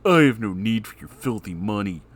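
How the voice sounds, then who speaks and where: A man voicing a haughty male cartoon cat with a stern, slow, pompous delivery. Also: on the low side, lively intonation.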